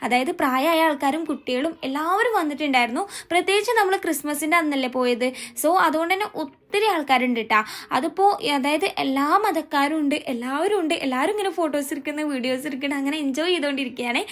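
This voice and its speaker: A woman vlogger with a Kerala accent speaks in a high-pitched voice at a rapid pace. She narrates in a chatty way, sprinkling English words through her Malayalam. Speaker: family vlog host.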